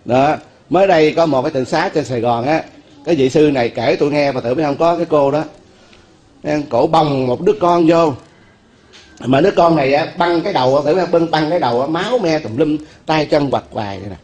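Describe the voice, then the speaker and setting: A man with a Southern Vietnamese accent gives a Buddhist sermon in a fairly high voice. He preaches in a folksy, homespun manner, putting questions to his listeners and chuckling as he goes. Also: brisk, a little mellow. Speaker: Buddhist monk.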